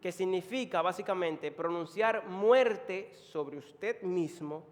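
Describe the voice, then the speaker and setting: Male preacher, Dominican accent, emphatic sermon, high-pitched, echoing hall. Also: takes it slowly. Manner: emphatic, swings from quiet to loud. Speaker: pastor. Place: church.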